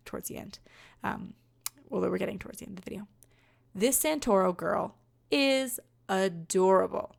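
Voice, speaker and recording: A young woman talks in a relaxed, rambling way, full of "like" and "um." Her voice sounds rough from being sick and has a heavy gravelly fry. Her pitch sits in a middle range. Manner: chatty, rambling, many fillers. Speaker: card-making vlogger. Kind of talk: casual crafting voice-over.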